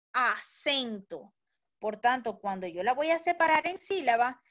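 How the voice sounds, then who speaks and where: A woman teaching a recorded school lesson for children, sounding out syllables slowly and checking understanding with short questions. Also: high voice, a bit bright. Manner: slow, deliberate, stretches and sounds out syllables.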